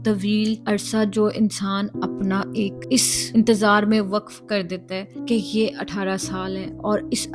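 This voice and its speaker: Gentle reflective woman interviewer. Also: medium pitch. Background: guitar music.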